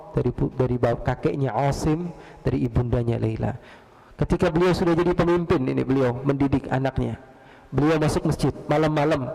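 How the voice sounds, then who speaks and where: A man with a mellow, gravelly, medium-pitched voice delivers a storytelling sermon in a large mosque hall, acting out the voices of his characters and putting questions to the listeners. A long hall reverb trails his words.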